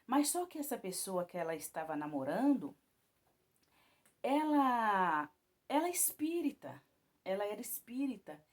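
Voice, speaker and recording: Speaking to viewers, a woman recounts how she came to her Christian faith in a meandering way, full of false starts and tag questions. When she reaches the frightening parts, her voice rises sharply in pitch and volume.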